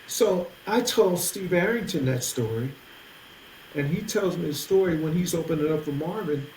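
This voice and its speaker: A man in his sixties, a musician guest telling animated stories in conversation, acting out other people's voices along the way. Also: fairly high pitch, moderate pace, a little hiss or hum. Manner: lively, acts out others' voices in anecdotes. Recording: echoey room.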